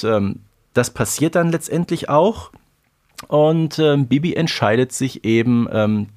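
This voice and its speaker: A man co-hosting a casual podcast, talking in a meandering way full of hesitations. He likes to nitpick details with a wry tone. His voice sits at an average pitch. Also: a little mellow. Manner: rambling, many fillers, nitpicky. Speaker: podcast co-host. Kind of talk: casual episode discussion.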